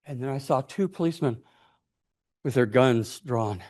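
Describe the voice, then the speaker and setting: A man giving a theatrical storytelling speech in a dramatic, deliberate manner, acting out the characters as he goes. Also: mid-range voice, darkish tone. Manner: dramatic, deliberate delivery with acted-out voices. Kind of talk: theatrical tall-tale speech.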